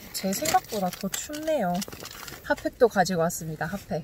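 There is noticeable background noise as a woman speaks at a moderate pace in a dry sound with no echo. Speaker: camping vlogger. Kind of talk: casual vlog chat.

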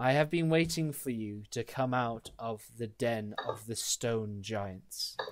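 A booming, put-on character voice from a man at a medium pitch, fairly slow in pace with hardly any pauses. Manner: commanding, calm.

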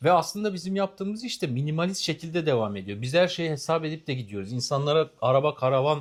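A man at a high pitch and fairly quick pace, very wide pitch swings, very clean recording over a silent background. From Istanbul, Turkey. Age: 30s. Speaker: travel vlogger. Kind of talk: casual chat.

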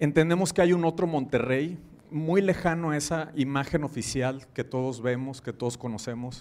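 This man talks at a medium speed in a fairly high pitch. The variation in his pitch is ordinary. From Ciudad Victoria, Tamaulipas, Mexico; Tamaulipas, Mexico. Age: 40s. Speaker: architect. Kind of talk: talk presentation. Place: hall. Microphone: handheld.

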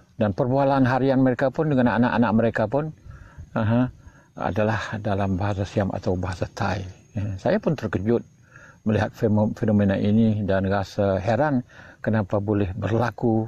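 A man with a dark, mellow tone speaks at a fairly low pitch and a moderate pace, using ordinary pitch variation. Long, frequent pauses stand out in the dry sound with no echo. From Patani, southern Thailand; Thailand. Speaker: vlogger and commentator; commentator on language. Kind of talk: monologue to camera. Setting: in a tent. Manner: halting. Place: garden. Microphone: phone near.

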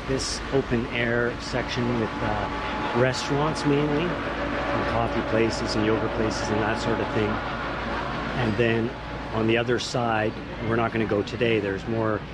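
Amid loud background noise, the speech moves at a moderate pace with a dry sound and no echo. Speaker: walking tour guide and channel host. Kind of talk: narrated walking tour, pointing out shops and streets while strolling. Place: street. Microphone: phone near.

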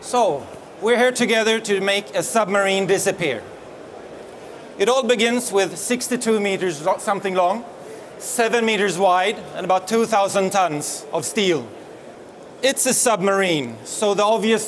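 Against light background noise, a man speaks at a fairly slow pace in a high pitch, with ordinary pitch variation. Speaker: presenter. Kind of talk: presentation talk. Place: hall. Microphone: headset.

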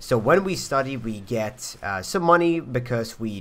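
This man has a plain, everyday voice. He speaks fairly slowly with lively intonation. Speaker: YouTube gamer. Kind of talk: casual gaming commentary monologue. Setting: recording late at night. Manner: rambling, filler words, repeats phrases.

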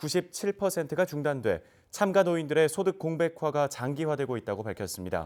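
On a very clean recording with a silent background, a man uses an ordinary speaking voice, fairly high in pitch, with ordinary pitch variation at a fairly slow pace. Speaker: news anchor. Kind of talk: news reading. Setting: studio. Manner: formal.

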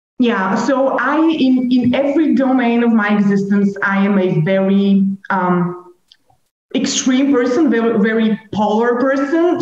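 A woman talks at a fairly slow pace against a quiet background. Audible room echo surrounds her voice. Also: ordinary pitch variation. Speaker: podcast guest. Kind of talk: interview answer. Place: home room. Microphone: video call.

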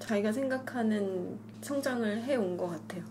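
A woman at a fairly slow pace, with ordinary pitch variation, over noticeable background noise. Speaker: youth center director. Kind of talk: panel discussion. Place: office.

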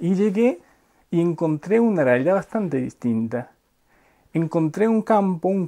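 Against a quiet background, a man with a high pitch and a dark, mellow tone speaks at a fairly slow pace, his intonation lively. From Poland. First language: Polish (speaking Spanish). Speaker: documentary filmmaker; journalist. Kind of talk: talk; explanatory talk to camera.

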